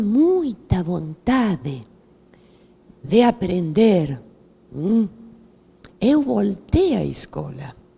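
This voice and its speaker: Over noticeable background noise, a woman with a Spanish accent speaks at a very slow pace, her pitch swinging very widely. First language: Spanish (speaking Portuguese). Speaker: educational psychologist. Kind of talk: lecture. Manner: halting.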